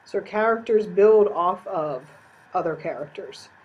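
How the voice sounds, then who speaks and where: A woman's voice: fairly low pitch, lively intonation, measured pace, breathy edge, dull audio. A woman teacher giving a recorded lecture, explaining patiently with frequent fillers.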